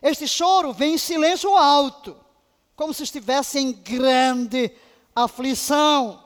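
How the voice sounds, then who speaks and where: A woman Bible teacher giving a fervent, emotional lesson on intercession, now and then breaking into soft laughs. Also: high voice, slow pace. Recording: long hall reverb.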